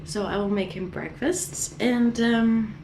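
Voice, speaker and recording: A woman in her thirties with a Dutch accent, a mom chatting casually through a home vlog, her voice raspy from a sore throat and her talk full of fillers and restarts. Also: a little high, fairly even intonation, slow pace, a little mellow, reverberant, a little hiss or hum, rough recording. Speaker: vlogger, mom. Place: apartment kitchen.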